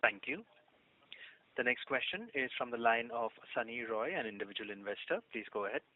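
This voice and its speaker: A muffled, narrow phone line carries a man with a medium-pitched voice. He moderates the conference call with formal, scripted phrasing. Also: fairly quick.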